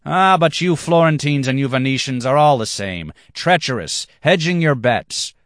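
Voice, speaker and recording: A man's voice: mid-range voice, expressive, normal speed, a bit bright, dry recording, clean studio sound, voice pushed up, natural voice. A man voicing a drunken, quarrelsome black-haired man who sneers at everyone around him. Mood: sneering.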